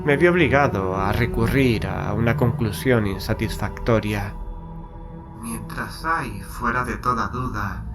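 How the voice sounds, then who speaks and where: A man playing a melancholy gentleman who narrates a horror story in a solemn, deliberate, literary way. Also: fairly low pitch, close to an everyday voice. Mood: brooding, hushed. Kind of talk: scripted dramatic horror narration. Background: music.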